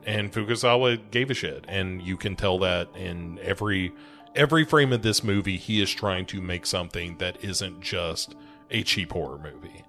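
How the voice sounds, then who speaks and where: A man's voice: sits low, moderate pace, bright, forceful tone, soft background music. A man co-hosting a podcast in casual chat about movies, speaking in an earnest, emphatic way. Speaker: podcast co-host.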